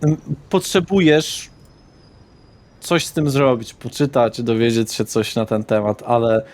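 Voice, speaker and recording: A man's voice: medium pitch, fairly even intonation, measured pace, a little mellow. A man refereeing a tabletop role-playing game as game master, explaining things in a conversational way.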